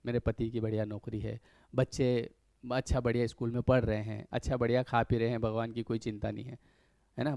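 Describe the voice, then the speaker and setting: A man talks viewers through a motivational lesson as a life coach. His voice sits at an ordinary middle pitch, and he keeps it chatty, slipping into short acted scenes of family life. The recording is dry and close, with no room sound. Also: darkish tone, no echo. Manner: conversational, acts out little scenes in other voices.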